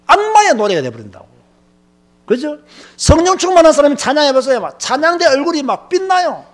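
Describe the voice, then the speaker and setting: Animated male preacher, high voice. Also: brisk. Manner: emphatic, animated storytelling with many filler words. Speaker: pastor. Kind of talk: sermon.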